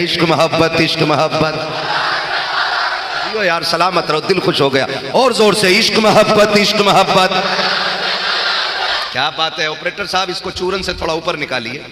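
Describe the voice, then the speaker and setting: A man's voice: a little high, noisy background. Man preaching to a crowd, echoey hall. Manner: banters with the crowd and calls out slogans for them to answer. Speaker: religious speaker. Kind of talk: sermon to a live gathering.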